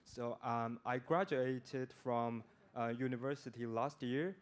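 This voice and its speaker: A young man speaks slowly in a smooth, clear voice. He gives a casual self-introduction, pausing often on fillers and restarting his sentences. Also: mid-range voice, steady tone. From China. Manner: hesitant, many fillers and restarts. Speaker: participant introducing himself.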